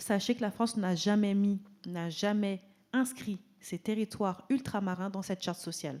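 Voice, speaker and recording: At a moderate speed, a woman talks with a dark, mellow tone. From French West Indies. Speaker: activist panelist. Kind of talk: round table talk.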